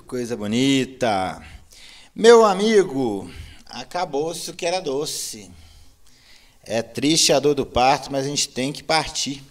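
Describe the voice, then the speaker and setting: Brief: thirties Minas Gerais host, mid-pitched, thanking names briskly on a small stage. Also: male voice. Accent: Minas Gerais Brazilian Portuguese. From Brazil, Minas Gerais. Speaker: host, journalist and poet. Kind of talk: casual on-stage chat. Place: small indoor stage with curtains. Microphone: handheld mic.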